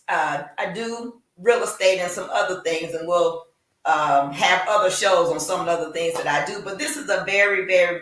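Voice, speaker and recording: A woman's voice: fairly low pitch, fairly bright tone. A middle-aged woman hosting a talk show, chatting casually with frequent fillers and restarts. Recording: roomy echo, distant from mic.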